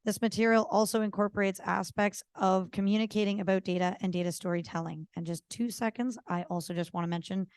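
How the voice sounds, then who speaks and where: A woman moderating a conference session, introducing the next speaker in a loose, filler-heavy way. Her voice is smooth and fairly clear, even though she is losing it. The sound is close and dry. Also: medium pitch, dry recording. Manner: casual, with many fillers. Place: conference hall.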